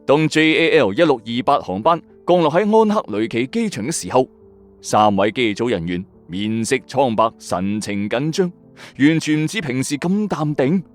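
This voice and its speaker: Animated Hong Kong Cantonese man telling mysteries. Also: medium pitch, moderate pace, soft background music. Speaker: storyteller host of a mystery radio channel. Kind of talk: dramatic scripted mystery narration.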